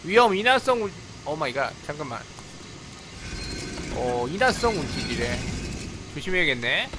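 A man's voice: on the high side, big pitch swings, moderate pace, background noise. A man giving casual live commentary on a video game, playful and exclamatory, talking back at the characters. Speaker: gaming video host. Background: video game sound.

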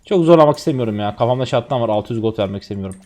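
A man in his twenties from Turkey, a streamer chatting excitedly to viewers while commentating his own gameplay. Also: mid-range voice, very fast. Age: 20s.

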